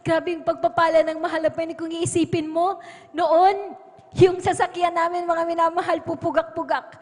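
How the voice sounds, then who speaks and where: A woman with a Filipino accent gives an earnest testimony from the pulpit of a church hall. Her voice sits very high, and she keeps addressing the congregation as beloved. The livestream carries the hall's long reverb around her. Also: flat delivery, normal speed, darkish tone. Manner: earnest, repeats "mga minamahal" as address. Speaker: church worker giving testimony. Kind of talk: testimony at Sunday worship. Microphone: pulpit microphone.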